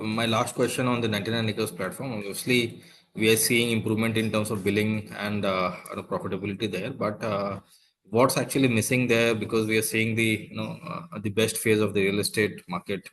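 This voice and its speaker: Male analyst, Indian accent, lowish pitch, meandering question style, faint noise on the call line. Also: steady tone, moderate pace, fairly bright tone. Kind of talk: spoken questions on a conference call. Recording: noisy conference call line.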